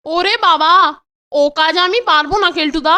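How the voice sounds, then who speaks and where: A woman's voice: high voice, steady tone, moderate pace, pushed and bright. A woman voicing a timid, pleading young schoolboy with a scheming streak in a cartoon. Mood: frightened, pleading. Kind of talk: cartoon voice acting. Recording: music behind the voice. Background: music.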